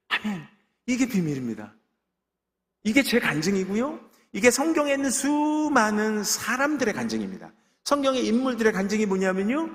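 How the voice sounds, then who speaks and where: High-voiced man preaching in a reverberant church. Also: a bit bright. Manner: emphatic preaching with frequent amens and call-and-response. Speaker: pastor giving testimony. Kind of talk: sermon. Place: church sanctuary. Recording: long reverb of a church sanctuary.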